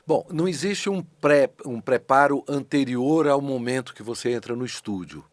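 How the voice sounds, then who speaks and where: Rich: A middle-aged Brazilian man in a podcast studio, talking about his craft as a guest with animated emphasis and frequent restarts. His voice sits at a mid pitch. It is recorded dry and close. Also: moderate pace, no echo. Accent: Brazilian Portuguese. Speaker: voice actor and dubbing director, guest. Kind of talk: casual conversational interview.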